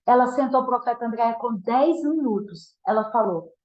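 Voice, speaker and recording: A woman's voice: on the high side, normal speed. A woman from giving an earnest, emotional testimony sermon, often restarting her sentences. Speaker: guest minister giving a testimony. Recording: roomy, dull church sound.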